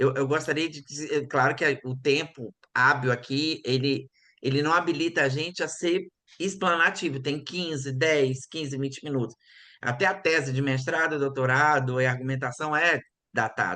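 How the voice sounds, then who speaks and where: This man has a fairly high pitch and a bright, sharp tone. His intonation stays fairly even. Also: moderate pace. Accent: Maranhão. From Maranhão, Brazil. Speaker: linguistics researcher. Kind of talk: academic panel discussion. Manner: halting.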